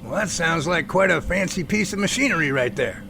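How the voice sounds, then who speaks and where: A man's voice: a little high, animated, gravelly, noisy background. A man playing an earnest, folksy, inquisitive professor in an amateur audio drama, with colloquial turns of phrase. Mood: curious. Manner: folksy, colloquial, drawn-out remarks.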